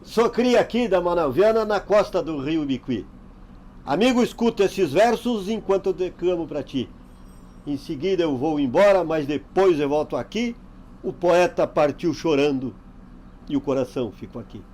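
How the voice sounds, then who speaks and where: Man reciting verse, high voice. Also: lively intonation, moderate pace, a little mellow. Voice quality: declamatory.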